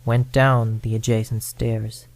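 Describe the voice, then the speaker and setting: A man's voice: fairly low pitch, flat delivery, takes it slowly, no room sound. A man narrating a first-person ghost story, dramatic and at times dropping to a whisper.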